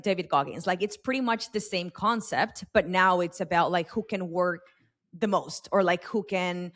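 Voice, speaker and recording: A young adult woman hosting a podcast interview, chatting casually with plenty of fillers as she rambles toward her question. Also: mid-range voice. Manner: rambling, heavy use of fillers. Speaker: podcast host.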